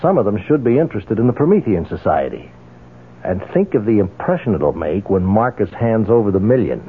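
An actor playing a determined, vengeful man in a radio drama, insistent and persuasive, with a husky voice. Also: on the low side, sing-song, fairly quick. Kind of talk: 1970s radio drama acting. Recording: narrow, phone-like old radio sound.

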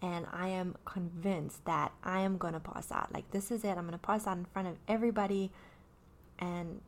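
A woman's voice: on the low side, steady tone, normal speed, a little hiss or hum. A woman in her early thirties talking candidly about her own anxiety, rambling with many fillers and restarts. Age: 30s. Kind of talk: personal talk about anxiety.

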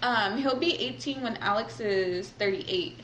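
A woman's voice: on the high side, a little slow, a bit bright. A woman in her twenties chatting casually, blunt and profane, often breaking into laughter. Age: 20s. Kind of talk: casual chat. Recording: echoey room with crowd noise behind.

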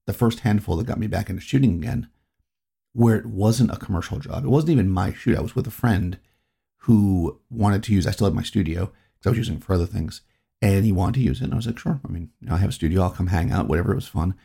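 On his own podcast, a middle-aged man from New England rambles reflectively, looping back over his points. His voice is on the low side, creaky, mellow and husky, and he talks fast.

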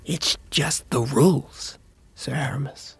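A man's voice: medium pitch, slow pace, gravelly, slightly rough, pitched above the performer's own voice, exaggerated voice. A man voicing a short, earnest young male apprentice who explains things eagerly. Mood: explaining.

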